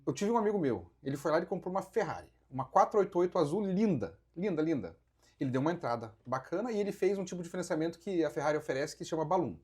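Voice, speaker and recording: Husky Brazilian man explaining investments. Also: a little high, lively intonation, fast talker, darkish tone. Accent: Brazilian Portuguese. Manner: explanatory, counts through figures, asks rhetorical questions. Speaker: guest, real estate investment advisor. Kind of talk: casual podcast conversation.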